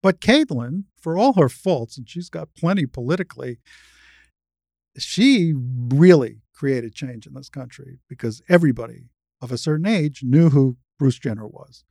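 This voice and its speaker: A woman's voice: a bass voice, lively intonation, moderate pace, dark tone, no room sound, clean studio sound. An American trans woman in her sixties speaking conversationally as an interview guest, telling anecdotes and giving opinions, often acting out quoted dialogue. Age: 60s.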